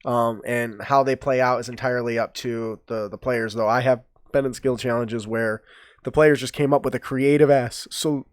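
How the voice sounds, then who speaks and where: A man's voice: mid-range voice, steady tone, moderate pace, no echo, clean studio sound. A man with a slightly stuffy nose hosting a casual gaming chat, rambling with lots of fillers. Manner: rambling, many fillers, laughs easily. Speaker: podcast host.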